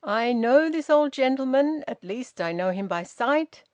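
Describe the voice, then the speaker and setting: A woman's voice: mid-range voice, lively intonation, moderate pace, darkish tone, no echo, close to an everyday voice. A woman voicing a young woman with a precise, haughty way of speaking. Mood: insistent.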